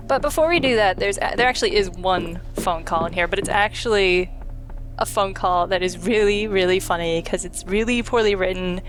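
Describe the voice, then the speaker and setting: A woman's voice: mid-range voice, a little fast. A woman hosting a Let's Play with casual, sardonic, sweary commentary. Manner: sardonic, profane. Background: game music.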